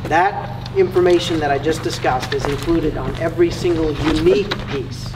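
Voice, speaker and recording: Higher-voiced guy teaching timber framing step by step, clear noise in the background. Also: moderate pace. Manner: clear, methodical explaining. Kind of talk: workshop instruction.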